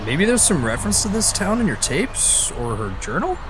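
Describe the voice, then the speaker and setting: A man's voice: high-pitched, sing-song, moderate pace, noisy background. An actor playing a curious, folksy man on a road-trip investigation, talking casually in a naturalistic audio drama.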